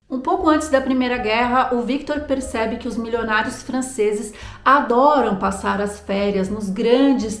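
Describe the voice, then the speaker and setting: A woman's voice: a little high, echoey room. A woman with a Brazilian Portuguese accent telling a history story in a conversational, informal and explanatory way, as a host.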